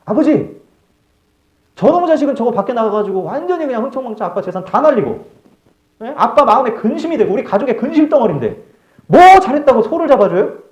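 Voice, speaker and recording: Pastor playing an outraged older brother, shouting, echoey hall. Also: male voice, very high-pitched, big pitch swings, fast talker, pitched above the performer's own voice. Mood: angry, protesting. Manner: shouting, complaining, accusing. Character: indignant elder son, young man, resentful. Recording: echoey, dull live church sound.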